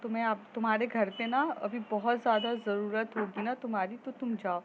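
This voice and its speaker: A woman voicing a kind, fatherly male school principal who speaks softly, in a storytelling podcast. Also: on the high side, fairly even intonation, brisk, phone-quality sound, a little hiss or hum, natural voice. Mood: gentle. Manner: gentle, fatherly, soft-spoken.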